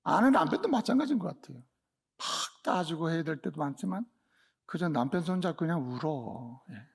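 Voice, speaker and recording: A male pastor delivers a sermon in a somewhat high voice with a gravelly, husky edge. He preaches emphatically, pressing some lines loudly and dropping others low. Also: animated, normal speed. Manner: emphatic preaching, swings from loud to hushed.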